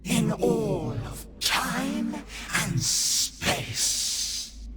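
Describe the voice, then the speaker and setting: A woman voicing an ancient, cryptic, imperious spirit in a video game, with breathy, oracular delivery. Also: high voice, animated, background noise, full character voice. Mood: ominous, commanding. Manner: oracular, drawn-out phrasing. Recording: long reverb, music behind. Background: game music.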